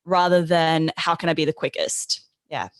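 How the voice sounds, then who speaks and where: A woman's voice: low-pitched, normal speed, dry recording, studio quality. A woman with an Australian-sounding accent, raised in New Zealand, chatting as a podcast guest with easy laughs. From South Africa, raised in New Zealand. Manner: friendly, laughs easily. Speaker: podcast guest, course creator. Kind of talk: casual interview chat.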